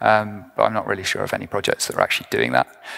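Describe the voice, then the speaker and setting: A man speaks against a quiet background. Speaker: conference speaker and software developer; conference speaker. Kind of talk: conference talk. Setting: conference stage with audience. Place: hall. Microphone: headset.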